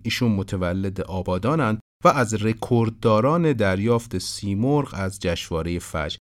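A man hosting a podcast, narrating production history in an informative, steady way. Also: on the low side. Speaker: podcast host. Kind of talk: scripted narration about film production.

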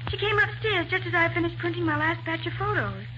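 A woman's voice: very high-pitched, fast talker. An actress playing an eager, polite young female nightclub photographer with a girlish, earnest manner in a 1940s radio drama. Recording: dull, noisy 1940s radio recording.

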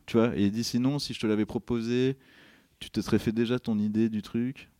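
A man's voice: medium pitch, fairly quick, no room sound. A man from Brittany, a film director, chatting as a podcast guest and acting out the people in his anecdotes. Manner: animated storyteller, acts out quoted people. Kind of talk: casual interview chat.

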